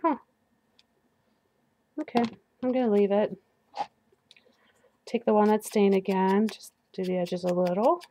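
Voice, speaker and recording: An overhead camera above her work table captures a woman demonstrating a paper craft for her video while she's still getting over the flu. She talks to herself in a chatty way, laughing when she slips, in a mellow, mid-range voice at a measured pace with frequent pauses. A little hiss or hum is audible.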